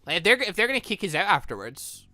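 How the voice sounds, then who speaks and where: A man's voice: high voice, sing-song, fast talker, sharp tone, no echo. A man giving rambling commentary on a visual novel game, exclaiming and breaking off mid-sentence. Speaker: gaming channel host, let's player.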